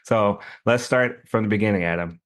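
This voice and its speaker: A man's voice: lowish voice, normal speed, fairly bright tone. A male podcast host who welcomes his guest and asks loose, friendly questions, often stumbling over his words. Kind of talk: casual interview.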